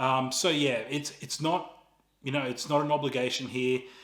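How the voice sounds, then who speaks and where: Fairly quick delivery from a man with an Australian accent. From Australia, Gold Coast. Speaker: travel vlogger. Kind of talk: casual tutorial. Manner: many filler words (um, you know).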